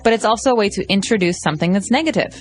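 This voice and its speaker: Speaking very fast in an expressive, medium-pitched voice, a woman co-hosts an English lesson podcast. As the teacher, she explains phrases with examples in a chatty language-lesson style.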